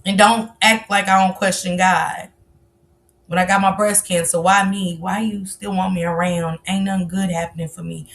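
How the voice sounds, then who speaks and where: Speaking at normal speed in a mid-range, slightly bright voice with little pitch movement, a woman in her 40s hosts a livestream and calls her viewers baby in candid, confessional chat. Her livestream mic picks up a little hiss or hum.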